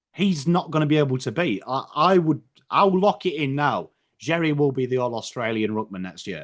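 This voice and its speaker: Speaking at a moderate pace, a man with an English accent has a fairly high pitch. His tone is animated and his intonation lively. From England. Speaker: Australian football content creator. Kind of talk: casual chat.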